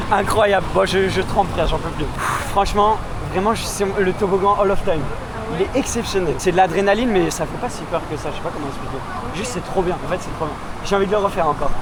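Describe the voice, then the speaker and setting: High-pitched male voice at a very fast pace with ordinary pitch variation, audible room echo and noticeable background noise. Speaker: travel vlogger. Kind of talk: casual vlog chat. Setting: outdoors at water park. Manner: animated.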